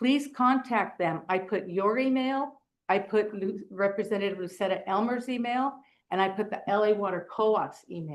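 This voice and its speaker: A woman with an ordinary speaking voice, fairly high in pitch, keeps a moderate tempo and varies her pitch in an ordinary way. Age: 60s. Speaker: member of the public giving comment. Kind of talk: public comment.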